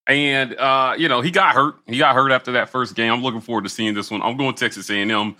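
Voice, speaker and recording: A man's voice: medium pitch, steady tone, quick pace, bright, forceful tone. A man chatting casually and animatedly about sports as a podcast co-host.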